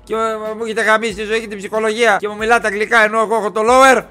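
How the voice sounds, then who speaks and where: A man playing a crude, rambling 47-year-old ex-truck driver in a comic interview, repeating himself and getting excitable. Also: high voice, gravelly, faint music behind, heavily acted. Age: 40s.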